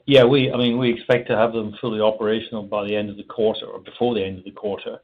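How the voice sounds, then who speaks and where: A man, a company executive, answering analysts' questions on an earnings call, halting with many fillers and restarts. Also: fairly low pitch, little pitch movement. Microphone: phone. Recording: tinny phone line.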